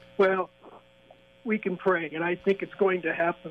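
A man's high voice at a very fast pace, with noticeable background noise. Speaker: announcer. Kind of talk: scripted narration.

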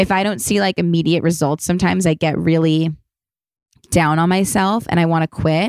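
Here is a woman with an ordinary speaking voice, fairly low in pitch and fairly quick in pace. Her intonation is fairly even, her loudness very even, and the sound dry and close with no echo. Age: 20s. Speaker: podcast host. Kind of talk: casual chat. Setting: home studio.

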